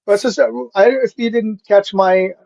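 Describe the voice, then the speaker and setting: A middle-aged American man hosting a casual live chat, speaking haltingly and often repeating himself. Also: sits high, fairly even intonation, darkish tone, no echo, highs cut off. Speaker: live show host. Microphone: USB microphone.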